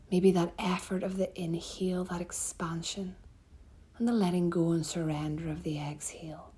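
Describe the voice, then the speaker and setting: A woman yoga teacher leading a guided relaxation meditation in a soft, breathy, soothing manner with gentle pauses. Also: fairly low pitch.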